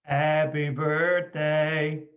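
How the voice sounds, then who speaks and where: A man's voice: fairly high pitch, level tone, drawn-out words, fairly bright tone, lo-fi sound. A man playing a tender, doting young coal miner father in folksy rural dialect at a script table read. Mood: playful tender.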